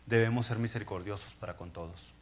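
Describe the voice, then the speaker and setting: A man's voice: on the low side, fast talker, slight background noise. A man preaching a sermon, telling the story in a conversational way and often checking in with his listeners.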